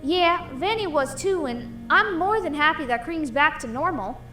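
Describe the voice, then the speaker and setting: Casting: woman as scrappy yet bashful cartoon lady boxer, fairly high, highly expressive, faint music behind. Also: moderate pace. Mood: warm, then sober. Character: tough but bashful female professional boxer, cartoon animal. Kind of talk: audio drama acting.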